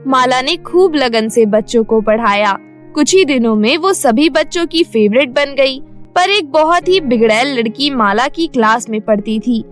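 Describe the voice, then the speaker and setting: High-voiced woman narrating a cartoon story. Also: lively intonation, normal speed, faint music behind. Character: young teacher Mala, earnest and firm.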